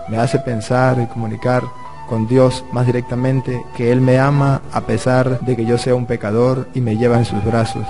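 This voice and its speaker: A man, a Catholic priest, preaching a Bible lesson in an earnest way, explaining through stories and questions. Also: mid-range voice. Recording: music playing underneath.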